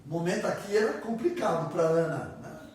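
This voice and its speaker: Brazilian male preacher, fairly high voice, chatty sermon, picked up from far off in a very echoey room. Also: animated, brisk, darkish tone, a little hiss or hum. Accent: Brazilian Portuguese. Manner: conversational, acts out prayers and asks the audience questions. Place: church hall.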